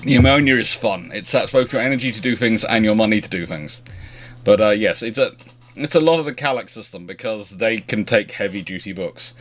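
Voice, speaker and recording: A man's voice: lowish voice, animated, fairly quick, a bit bright. A man hosting a live stream in a casual, chatty way, often rambling and breaking off mid-sentence. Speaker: livestream host answering naval history questions.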